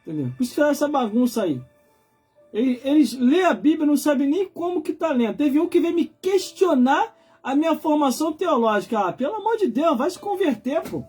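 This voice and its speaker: Brazilian male livestream preacher, 40s, high-pitched, colloquial and insistent delivery over music. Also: a little mellow. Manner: emphatic, colloquial, repeats phrases for effect. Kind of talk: informal live sermon.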